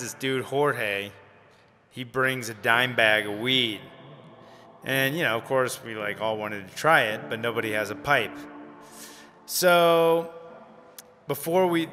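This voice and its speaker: An actor playing a rambling young addict in a radio drama, telling stories in a hesitant, slangy, casual way. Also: male voice, mid-range voice, pushed and bright, in a large hall. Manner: informal, hesitant, slangy storytelling. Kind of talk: radio drama acting, conversational monologue.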